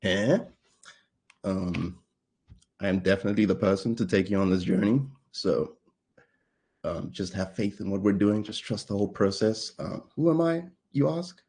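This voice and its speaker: With a fairly low, warm and slightly rough voice at normal speed, a young conference speaker from South Africa keeps things casual and playful. He pokes fun at himself, with plenty of fillers throughout.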